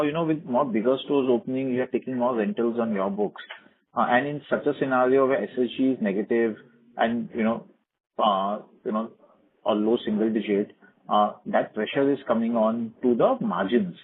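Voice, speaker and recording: A man with an Indian accent and a husky voice, an analyst asking questions on an earnings call by phone. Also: mid-range voice, moderate pace. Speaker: financial analyst. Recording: narrow tinny phone line.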